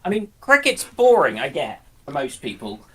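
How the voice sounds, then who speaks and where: Man with a bright, sharp voice. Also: a little high, huge pitch swings, normal speed, breathy edge. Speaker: co-host on a live stream. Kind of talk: casual chat.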